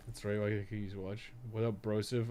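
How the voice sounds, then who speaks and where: A man's voice: on the low side, flat delivery, fairly quick, warm tone, a little hiss or hum. A young man chatting casually as he streams a game, rambling and swearing, with an easy laugh. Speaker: game streamer, podcast co-host. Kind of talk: casual chat while gaming live.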